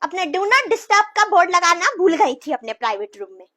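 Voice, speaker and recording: A woman playing a young wife who talks loudly with mock-polite sarcasm. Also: very high-pitched, very animated, moderate pace, full character voice. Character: loud, pointed young wife.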